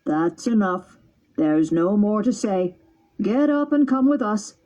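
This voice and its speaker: A woman's voice: mid-range voice, lively intonation, takes it slowly, warm tone, poor audio. A woman voicing a stern male policeman who questions curtly. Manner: curt, questioning.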